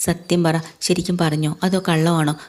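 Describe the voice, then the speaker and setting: A woman's voice: low voice, flat delivery, a little fast, a little mellow. A woman voicing a suspicious young woman who presses an older man for the truth.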